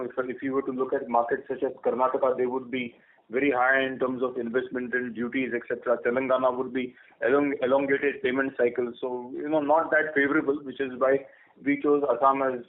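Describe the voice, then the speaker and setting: A man with an Indian accent answers as an executive on a conference call. He explains in a measured way at a medium pitch, heard through a narrow telephone line. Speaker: company executive answering questions. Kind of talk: earnings call Q&A.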